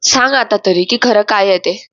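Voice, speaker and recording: A woman voicing a sharp-tongued older sister who accuses and taunts, read plainly in a narrated serial recap. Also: medium pitch, normal speed, no room sound, close to an everyday voice. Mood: accusing. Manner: accusing, scornful. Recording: dry, slightly dull voice-over.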